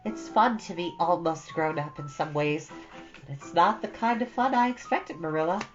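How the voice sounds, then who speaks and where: A woman with a lowish voice lightly acts the part of a thoughtful, earnest fifteen-year-old girl from a storybook, sounding reflective and dreamy. She delivers the character's dialogue at a moderate pace, and the dull-sounding audio sits over soft guitar music.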